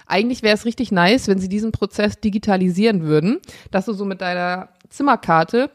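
A woman's voice: mid-range voice, fairly quick. A woman co-hosting a podcast, telling an anecdote in a casual chat and acting out the dialogue in raised voices with frequent laughter, recorded in a hotel room. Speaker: podcast co-host.

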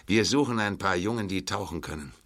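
An actor playing a commanding gentleman film director, formal and measured, in a German radio play. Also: sits low. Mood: measured, assured.

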